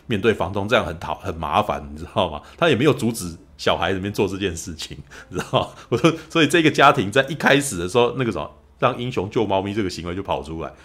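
A man with a Taiwanese Mandarin accent, a podcast host in casual film chat who tells stories with energy and acts out the lines he quotes. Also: low voice. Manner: animated storyteller, acts out quoted lines, frequent "你知道吗" asides.

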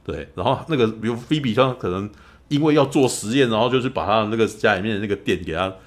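A man's voice: lowish voice, fast. A man with a Taiwanese Mandarin accent, a podcast host in casual film chat who tells stories with energy and acts out the lines he quotes. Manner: animated storyteller, acts out quoted lines, frequent "你知道吗" asides.

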